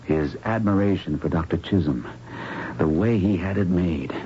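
An actor playing a troubled, disillusioned young doctor in a radio drama, speaking with urgent, bitter intensity. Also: male voice, sits low, moderate pace, warm tone, close to an everyday voice. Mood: bitter, wistful. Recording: dull, noisy old radio broadcast.

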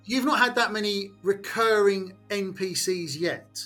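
Bright, higher-voiced English man chatting. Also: a little slow, soft background music. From England. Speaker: podcast co-host and game master. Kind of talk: casual chat.

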